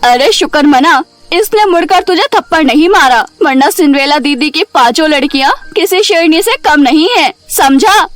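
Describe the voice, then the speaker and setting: A woman's voice: sits high, lively intonation, normal speed, hardly any pauses. A woman playing a stern mother in a cartoon story, scolding emphatically and indignantly. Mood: indignant, ashamed.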